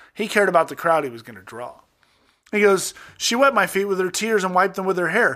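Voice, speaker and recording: In a very clean recording with a silent background, a man talks very fast in a raised, projected voice, his tone animated, bright and sharp, his pitch high, his intonation lively and his loudness swinging widely. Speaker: Bible podcast co-host. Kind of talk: casual Bible study discussion.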